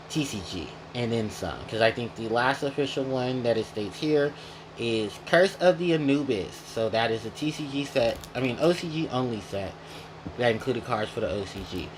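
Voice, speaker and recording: Background noise sits under the mid-range voice of a gaming video host, who chews while he talks. His casual retrospective rambles, with frequent self-corrections.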